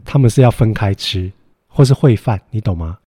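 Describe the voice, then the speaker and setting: A man co-hosts casually in Mandarin with a Taiwanese accent. His tone is dark and relaxed, yet his intonation moves in animated swings. He comes across as a reluctant, exasperated contrarian in friendly banter. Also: fairly low pitch, moderate pace, no echo, clean studio sound. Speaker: podcast co-host.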